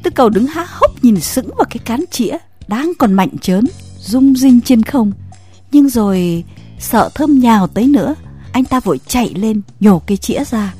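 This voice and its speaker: A woman narrating a story in an expressive, scripted way. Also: a little high, normal speed, husky, soft background music.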